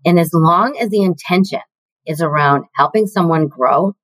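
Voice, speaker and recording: A middle-aged woman with a deeper, lower voice speaks with calm, emphatic confidence. She is recorded close and dry, with no room sound at all. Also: moderate pace, no echo, poor audio. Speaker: guest, learning and development executive. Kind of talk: podcast interview answers.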